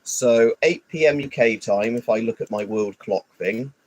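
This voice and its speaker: A man's voice: mid-range voice, moderate pace, darkish tone, no room sound. A man rambling and grumbling through a casual live stream, stuffy with hay fever and swearing often. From United Kingdom. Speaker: livestreamer.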